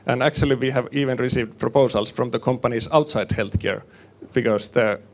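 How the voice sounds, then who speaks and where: A man from northern Finland, a hospital innovation manager, giving a measured panel presentation with frequent fillers into a conference microphone. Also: medium pitch. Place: conference room with live panel. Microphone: handheld or table microphone.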